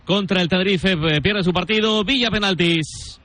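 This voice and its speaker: A high-voiced man anchors live sports radio. He is brisk and informal, cutting in to pass between match commentators. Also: bright, forceful tone, no room sound. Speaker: radio sports show host. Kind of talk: live multi-match studio hosting.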